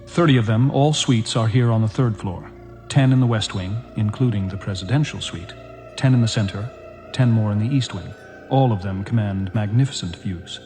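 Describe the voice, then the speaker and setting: A man voicing a fussy, scholarly male hotel manager who lists rooms in a precise, deliberate way. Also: on the low side, warm tone, voice pushed down, lightly acted. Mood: pompous. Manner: precise, deliberate tour-guide delivery. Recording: music playing under the voice.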